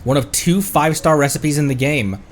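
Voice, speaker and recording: A streamer giving casual, excitable live commentary on a game, exclaiming and often repeating phrases. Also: mid-range voice, normal speed. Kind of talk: casual gameplay livestream commentary. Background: video game music.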